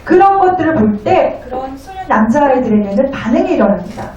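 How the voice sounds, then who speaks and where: A woman interpreting a lecture phrase by phrase in a polite, formal, somewhat halting way. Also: high-pitched, very animated, dark tone, highs cut off. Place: echoey indoor venue. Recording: very echoey, distant room.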